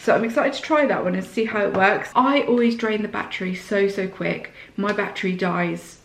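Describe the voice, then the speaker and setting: A chatty, excitable woman with a slight sore throat, talking casually through an unboxing. Her voice sits at a middling pitch and bounces around an echoey indoor room. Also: normal speed, slight background noise. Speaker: vlogger.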